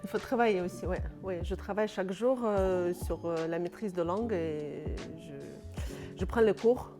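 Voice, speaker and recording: A woman's voice: on the low side, normal speed, over music. A Russian-born woman speaking as an interview guest, with a Russian accent and simple, direct phrasing as a non-native speaker. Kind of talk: casual interview chat.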